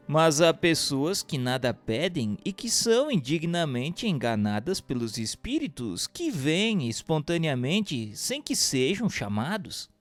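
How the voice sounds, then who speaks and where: A man with a Brazilian accent reading scripted narration in a formal, measured way. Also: fairly high pitch, big pitch swings. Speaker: narrator and questioner. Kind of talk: scripted narration of a spiritist text. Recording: long hall-like reverb, music bed.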